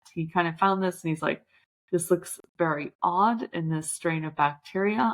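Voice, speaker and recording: A woman with a Californian accent, fairly low pitched, her intonation fairly even, at a moderate pace. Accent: California. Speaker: science podcast host, immunologist. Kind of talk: educational lecture.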